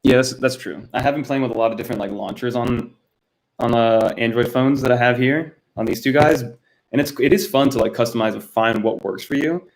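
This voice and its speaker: On his first live stream, a young man from Miami, Florida, in the United States, chats casually and calls viewers by name. He talks a little fast in a mid-range voice. The recording is rough, captured by a built-in camera mic in a cluttered home room.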